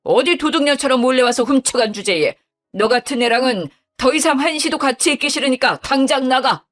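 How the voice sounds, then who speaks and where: A woman's voice: high-pitched, brisk, voice pushed up, natural voice. A woman voicing a stern older father-in-law who gives curt, firm orders in a dramatized story. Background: faint background music.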